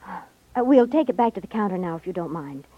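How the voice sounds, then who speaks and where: An actress playing a wary, anxious young daughter of a jeweler in a 1950s radio drama, speaking earnestly. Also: female voice, medium pitch, very animated, fast talker. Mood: guarded. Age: young adult. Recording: dull 1950s radio recording.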